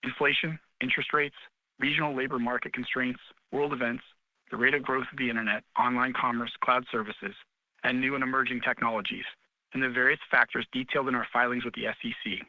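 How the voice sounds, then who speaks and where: Male investor relations reader, brisk scripted legal boilerplate, average pitch, dry and slightly muffled call audio. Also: steady tone, dry recording. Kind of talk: scripted legal disclaimer reading.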